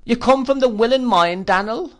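A man's voice: very high-pitched, normal speed, voice pushed up. A man reading aloud voices a tearful, self-pitying older widow who laments in a plaintive, wailing way. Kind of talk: audiobook character voice.

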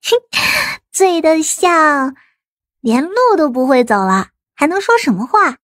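A woman's voice: high voice, big pitch swings, a little slow, fairly bright tone, dry recording, clean studio sound, exaggerated voice. A woman voicing a naive, pouty teenage village girl in an audiobook. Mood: teasing. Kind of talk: audiobook character dialogue.

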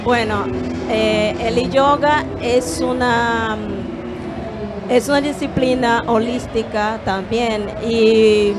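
A Brazilian woman yoga teacher speaking Spanish in a gentle, measured way with small hesitations, on a handheld mic at a fair stand. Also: a little high, steady tone, over loud music. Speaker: yoga teacher and holistic therapist. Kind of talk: calm explanatory interview answers. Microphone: handheld microphone.

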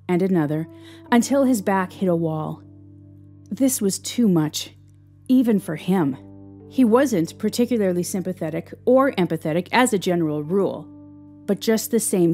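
A woman narrating a scripted audio drama in a measured, expressive, somber manner. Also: on the low side. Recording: music under the voice. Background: instrumental music.

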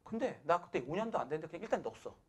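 A man's voice: fairly high pitch, lively intonation, very fast, slightly rough. A male math teacher telling his students a story from his past, acting out the people he quotes and laughing at himself.

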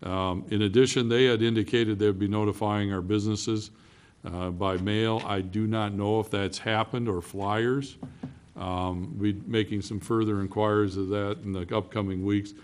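A man reporting as city manager at a council meeting, halting with many fillers. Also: on the low side, fairly even intonation, clear, resonant tone.

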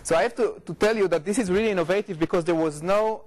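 A middle-aged man with an Israeli accent gives an informal academic talk, often halting, repeating and correcting himself. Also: high-pitched, darkish tone. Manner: informal, halting, frequent repetitions and self-corrections. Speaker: researcher giving a lecture. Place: lecture room, indoors.

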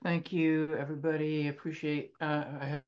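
Flat-voiced man on a dull line. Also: fairly high pitch, normal speed. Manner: hesitant, many fillers. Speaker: participant. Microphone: video call.

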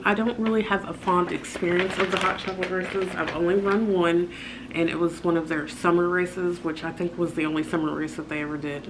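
A middle-aged American woman chatting casually to camera as a vlogger in a hotel room. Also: fairly low pitch. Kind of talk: casual vlog chat, showing items to camera. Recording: clearly noisy room sound.

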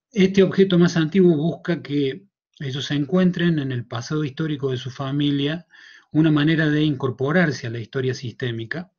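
A university professor in his fifties from Córdoba, Argentina, presents a paper at a conference from a small room at home, speaking Cordobés Argentine Spanish. His voice is a little high and a little mellow, and he talks in a thoughtful, halting way with many fillers and restarts. He uses a headset, and the call audio is muffled.

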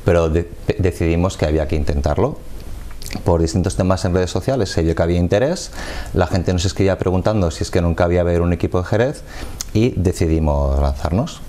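A man, a football coach explaining his sport in a measured way during a TV studio interview on a lapel mic. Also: sits low, mellow. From Madrid, Spain. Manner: measured, explanatory, gestures with hands.

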